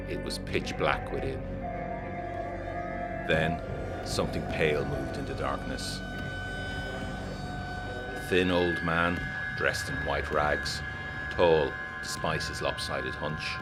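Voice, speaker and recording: An actor playing a haunted, introspective 1920s gentleman and former army captain, reading a letter in a formal, measured, grave way in a gothic audio drama. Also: very deep voice, fairly even intonation, over loud music. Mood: haunted, dread.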